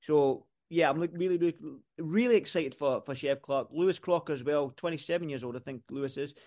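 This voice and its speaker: A man's voice: a little high, brisk, a little mellow. A man from the UK co-hosting a boxing podcast, talking in a rambling, repetitive, casual way. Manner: rambling and repetitive, stacking up lists and restarts. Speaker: podcast co-host.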